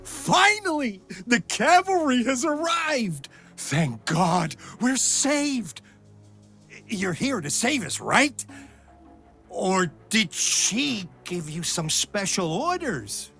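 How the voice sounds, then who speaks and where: A man's voice: extremely high pitch, very animated, slow pace, vocal fry, sharp tone, soft background music, heavily acted. A man acting a panicky, talkative, cowardly mercenary in a video game, frantic and wary. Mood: relieved, nervous.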